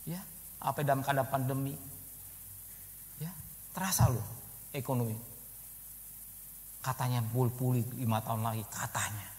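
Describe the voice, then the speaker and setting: An older male pastor giving an emphatic sermon, swinging between loud exclamations and quiet asides. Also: medium pitch, steady tone, moderate pace, long pauses. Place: church hall. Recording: long hall reverb.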